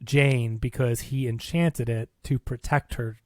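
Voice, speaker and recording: A man hosts a casual film discussion at a middling pitch. He talks like a storyteller, in everyday colloquial phrasing. The sound is dry, with no room around it. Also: fairly even intonation, measured pace, dry recording. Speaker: film podcast host. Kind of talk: casual movie review chat, recapping a plot.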